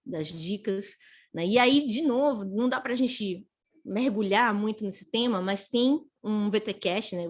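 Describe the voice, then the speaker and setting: Chatty woman giving career tips. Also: mid-range voice. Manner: chatty, tags nearly every phrase with a questioning "né?"; reads and answers viewer comments as she goes. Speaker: career speaker. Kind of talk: live online career talk.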